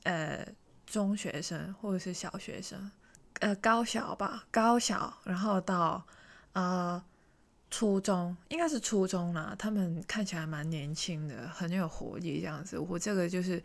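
A young woman from Hong Kong chats through a personal story in a casual, self-mocking way. Her voice sits a little low for a woman. Now and then she drops into a hushed, half-whispered aside. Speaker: vlogger.

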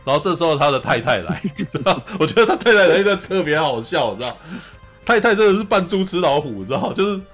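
A man hosts a casual anime chat in a slightly raised voice. He retells scenes with lively energy, laughing often and keeps asking his listener "you know?". Soft music plays faintly underneath. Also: on the high side, racing. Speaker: host.

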